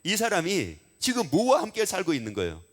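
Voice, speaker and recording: A man's voice: high-pitched, huge pitch swings, fairly quick. A male pastor preaching a Sunday sermon, repeating phrases for emphasis and putting questions to the congregation. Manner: leads the congregation in call-and-response. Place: church sanctuary. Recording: long reverb of a church hall.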